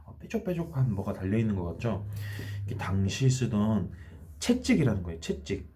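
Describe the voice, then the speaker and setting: A man's voice: lowish voice, very animated, brisk, dark tone, soft background music. A man preaching a children's sermon, telling the story and asking the children questions as he goes. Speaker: children's pastor.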